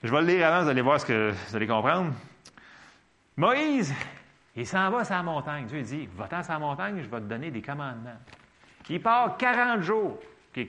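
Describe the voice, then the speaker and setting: A man's voice: on the high side, gravelly. A man with a Québécois French accent preaching a sermon in a casual, emphatic way, sprinkling in English words. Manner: animated, emphatic, colloquial, throws in English words.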